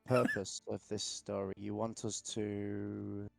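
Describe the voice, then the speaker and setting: A man's voice: on the low side, monotone, slow, gravelly, a little hiss or hum. A man chatting casually as a player in a tabletop roleplaying game. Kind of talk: casual chat.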